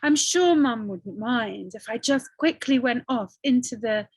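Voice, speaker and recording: A woman's voice: fairly high pitch, lively intonation, measured pace, breathy edge, no echo, heavily acted. A woman voicing young Little Red Riding Hood, an eager, trusting girl, in a storybook reading. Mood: cheerful. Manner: bright childlike, wide-eyed tone.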